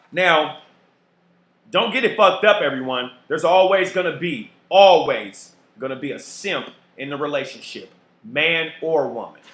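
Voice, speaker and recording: In a room with audible echo, a man with a high pitch speaks at a moderate pace in an animated tone, with lively intonation and big swings in loudness. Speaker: talk show host. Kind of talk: casual monologue.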